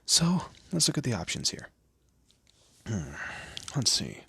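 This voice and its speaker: A man's voice: medium pitch, huge pitch swings, a little slow, gravelly, fairly bright tone, breathy edge, no room sound, heavily acted. A man voicing a smug, teasing demon lord in a scripted audio roleplay, with a theatrical, condescending manner and amused asides. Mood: sly, businesslike. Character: smug, teasing male demon lord, proud torturer and bureaucrat.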